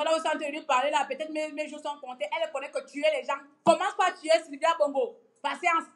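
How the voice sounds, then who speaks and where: Mocking Gabonese woman vlogger. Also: high voice. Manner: mocking, animated, breaks into song. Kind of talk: casual political rant.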